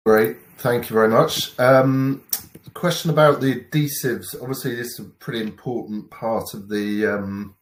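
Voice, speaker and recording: A man's voice: medium pitch, fairly even intonation, moderate pace. A man moderating a webinar, putting audience questions to the speaker with many ums and uhs. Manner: hesitant, many fillers while framing questions. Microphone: video call with camera off.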